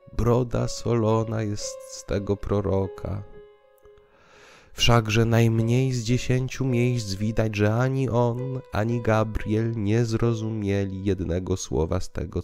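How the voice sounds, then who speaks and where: A man's voice: on the low side, steady tone, slow pace, vocal fry, warm tone, voice pushed up. A man voicing a tearful, sceptical old dervish in an audio drama, lamenting with emphasis. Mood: agitated. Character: weeping old sceptical dervish, male, pious then blasphemous. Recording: piano music underneath.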